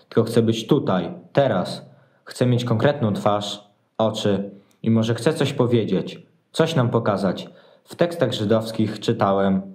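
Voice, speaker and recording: A man's voice: on the low side, a little mellow, close to an everyday voice. A man playing a hopeful, devout Wise Man in an amateur nativity radio play, earnest and pondering.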